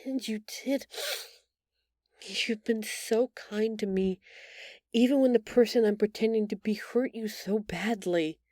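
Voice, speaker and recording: A woman playing a gentle, frightened alien shapeshifter in an audio roleplay, halting, earnest and apologetic. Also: mid-range voice, no room sound, studio quality, pitched below the performer's own voice, lightly acted. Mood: earnest, pleading. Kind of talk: audio roleplay acting, intimate confession.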